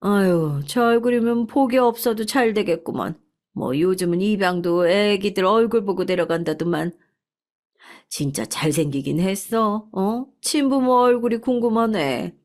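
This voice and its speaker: A speaker voicing a chatty middle-aged woman running a small restaurant, gossiping with drawn-out exclamations. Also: mid-range voice, expressive, lightly acted. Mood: gossipy.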